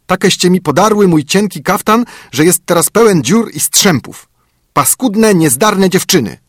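A man voicing a grumpy, ungrateful little bearded dwarf with a thin, shrill voice who scolds and snaps. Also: lively intonation, normal speed, fairly bright tone, no room sound, clean studio sound. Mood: scolding. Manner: scolding, snapping, whining.

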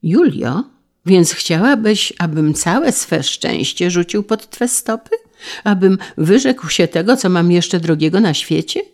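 A woman's voice: fairly low pitch, expressive, unhurried, a little mellow. A woman voicing a desperate young man who pleads with his sister in an impassioned, trembling way, in a dramatized reading. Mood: pleading.

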